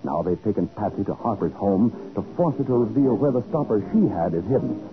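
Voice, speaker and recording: A man's voice: lowish voice, lively intonation, brisk, phone-quality sound, over music. A man announcing a 1940s radio drama, narrating the script in an emphatic, dramatic manner.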